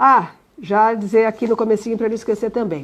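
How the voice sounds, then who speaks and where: The voice is an unremarkable speaking voice. It moves at a fairly quick clip. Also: woman. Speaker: spiritist center host. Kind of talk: livestream announcements. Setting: online livestream. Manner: casual.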